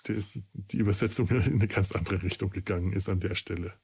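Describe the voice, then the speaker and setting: A man's voice: low voice, steady tone, fairly quick, darkish tone, breathy edge. A man co-hosting a podcast, talking thoughtfully and hesitantly with many fillers and restarts. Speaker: podcast co-host. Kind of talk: casual podcast chat.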